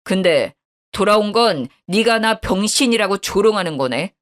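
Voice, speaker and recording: Woman doing a lowered angry husband voice, harsh and accusing, radio story. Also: animated, moderate pace, close to an everyday voice. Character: angry young husband, cold and scolding.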